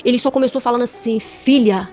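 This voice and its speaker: Middle-aged woman, Brazilian Portuguese accent, church testimony, rapid and fervent, mid-range voice. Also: mid-range voice, steady tone, darkish tone, soft background music. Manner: fervent, addresses listeners as brothers and sisters. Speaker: church member giving a testimony. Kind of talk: personal faith testimony.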